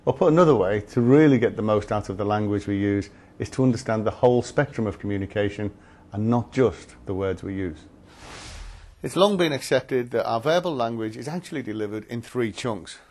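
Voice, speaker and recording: A man presenting a training film in a measured, articulate, instructive way, as scripted narration. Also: on the low side, darkish tone.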